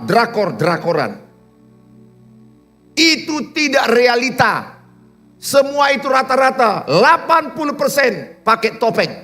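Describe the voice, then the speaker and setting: A man preaching a sermon as pastor, in an animated, teasing and humorous way. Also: extremely high pitch. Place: church.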